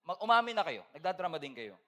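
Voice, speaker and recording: A man preaching from the pulpit with a high, bright, ringing voice. He swings from loud, emphatic declarations down to soft, confiding tones. A long hall reverb trails after each phrase. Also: sing-song, fast. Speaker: pastor. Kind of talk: sermon.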